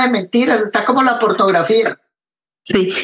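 A woman speaks at a moderate pace in a plain, everyday voice. Her pitch sits fairly high, with ordinary pitch variation. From Colombia, Bogotá. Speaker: psychologist and sexologist. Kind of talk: interview conversation.

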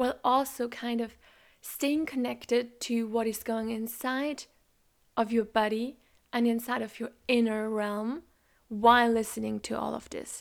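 Speech with a German accent comes at a fairly slow pace with fairly even intonation. The recording is very clean, with a silent background. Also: woman. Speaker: podcast host and spiritual practitioner. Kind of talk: reflective solo monologue.

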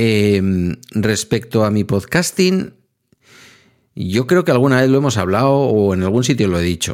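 With an unremarkable speaking voice, a man talks at a fairly slow pace in a fairly low pitch, his intonation lively and his loudness very even, on a very clean recording with a silent background. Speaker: podcaster. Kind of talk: casual chat.

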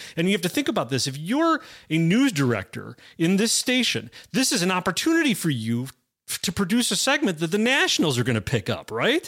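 At a high pitch and a fairly quick pace, a man speaks with very wide pitch swings and very even loudness. The recording is very clean, with a silent background. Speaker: podcast host. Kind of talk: casual banter, commentary. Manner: stammers, hesitant at times.

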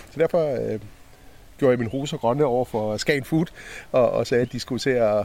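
Speaking in an unremarkable speaking voice, the man keeps a moderate pace, his medium pitch moving with ordinary variation. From northern Jutland, Denmark. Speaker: chef. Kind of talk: casual interview. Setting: outdoors in a back garden.

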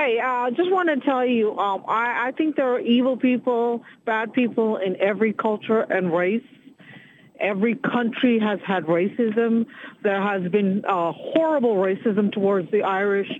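Here is a plain, everyday voice: a woman with an American accent, fairly high in pitch. She goes at a moderate pace with lively intonation. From Texas, Houston area. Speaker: caller. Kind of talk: call-in talk radio. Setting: phone call.

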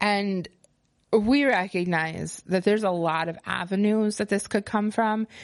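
Against a quiet background, a woman with a plain, everyday voice speaks at a fairly slow pace and medium pitch with ordinary pitch variation. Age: 40s. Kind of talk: interview. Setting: studio.

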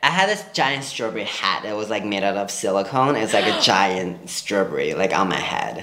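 Through noticeable background noise, a man with a fairly low voice speaks at a moderate pace with hardly any pauses and ordinary pitch variation. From China, moved to Australia at 12. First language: Chinese. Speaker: pole dancer and instructor. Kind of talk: casual chat. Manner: halting, many fillers.

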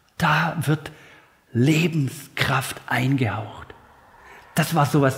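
A man speaks in a fairly high pitch with a warm tone. His voice is somewhat breathy. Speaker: preacher. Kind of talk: sermon in church. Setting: church with live audience. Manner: warm, earnest and lively, direct address to the congregation; conversational, with humor and fillers.

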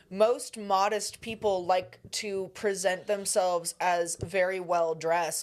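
On a very clean recording with a silent background, a woman with an ordinary speaking voice talks at a medium pitch with fairly even intonation. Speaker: podcast host. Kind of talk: casual chat.

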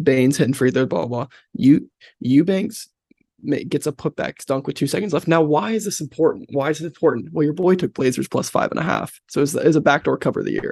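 A man's lively intonation comes with vocal fry throughout. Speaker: sports podcast co-host. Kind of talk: casual chat.

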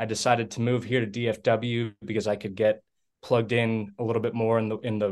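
Against a quiet background, a man speaks with an American accent. His pitch is medium and his pace fairly quick. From New England, US (west of Boston). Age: 30s. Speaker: professional drummer. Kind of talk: casual interview chat.

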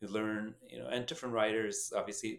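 He speaks with an Albanian accent. His pace is fairly quick. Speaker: company founder and CEO, lawyer. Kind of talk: interview.

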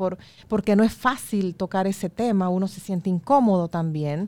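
A woman speaks in an ordinary speaking voice at medium pitch and a moderate pace, with ordinary pitch variation. The recording is very clean, with a silent background. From Panama, rural Veraguas and San Miguelito. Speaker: foundation founder and speaker. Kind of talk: interview.

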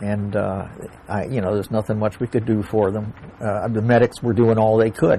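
A man with an American accent talks in a fairly low, monotone, flat voice. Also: moderate pace. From New Jersey. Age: 70s. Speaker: war veteran. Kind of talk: testimony. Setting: church.

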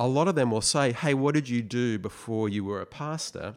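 A man with an Australian accent speaks at a medium pitch and a fairly quick pace. His intonation is lively. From Australia, Sydney. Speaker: campus ministry staff worker. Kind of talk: casual interview chat.

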